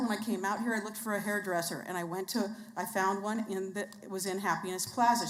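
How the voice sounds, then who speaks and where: A woman with an American accent and medium pitch talks very fast. Audible room echo and noticeable background noise surround her voice. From Northern California, US. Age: 60s. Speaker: resident speaking at public hearing. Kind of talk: public comment. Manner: halting.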